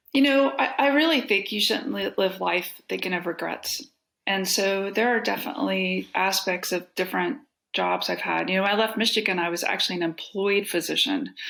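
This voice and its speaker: A woman at medium pitch talks at a fairly quick pace with an American accent and lively intonation. Her tone is bright and sharp, with vocal fry. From US South. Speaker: plastic surgeon. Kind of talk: interview conversation.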